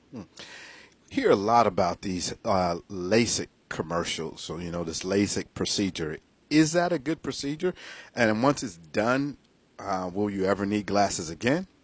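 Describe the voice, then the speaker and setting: In a very clean recording with a silent background, a man with a plain, everyday voice and a fairly low pitch speaks at a moderate pace with lively intonation. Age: 50s. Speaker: podcast host. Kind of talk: interview; prayer.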